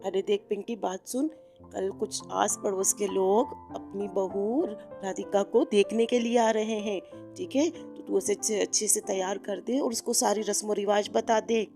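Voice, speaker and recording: A woman voicing a loud, pushy, middle-aged mother-in-law in a cartoon, scolding and ordering everyone about. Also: mid-range voice, fairly even intonation, a little slow, vocal fry. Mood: bossy. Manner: shouting, scolding. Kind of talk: Hindi cartoon voice acting. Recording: background music.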